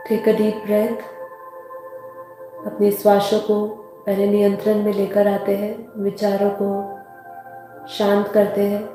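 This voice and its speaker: Slow, echoing Indian woman guiding meditation. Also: medium pitch, completely flat delivery. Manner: unhurried, soothing, repeats phrases. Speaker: meditation guide. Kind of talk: slow guided meditation instruction. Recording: heavily echoing voice over soft music.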